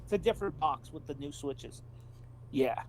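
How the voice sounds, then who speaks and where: A man's voice: on the high side, animated, moderate pace, slight background noise, poor audio. A man co-hosting a podcast, chatting casually and bluntly about video games, emphatic and repeating himself to make his point. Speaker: podcast co-host.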